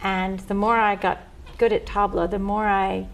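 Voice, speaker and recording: A woman's voice: medium pitch, level tone, moderate pace, poor audio. An American woman, a professional mandolin player, chatting as a guest and telling stories with a laugh at herself. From United States. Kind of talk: casual interview chat.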